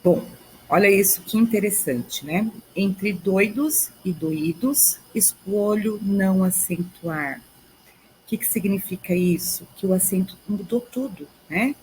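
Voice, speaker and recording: A woman's voice: mid-range voice, measured pace, darkish tone, slight background noise, low-quality recording. A woman with a Brazilian Portuguese accent teaching a recorded grammar video lesson, explaining step by step and checking in with her students.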